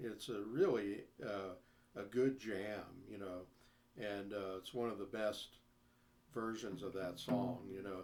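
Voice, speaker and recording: A man's fairly low voice at a fairly slow pace, with fairly even intonation and long, frequent pauses. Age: 60s. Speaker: guitar teacher. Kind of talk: tutorial. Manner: halting, many fillers.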